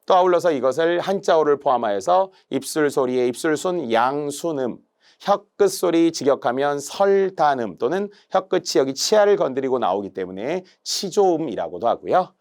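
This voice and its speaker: Animated man giving an exam-prep lecture. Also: a little high. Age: middle-aged. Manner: lively, emphatic lecturing with drawn-out examples. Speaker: Korean language instructor.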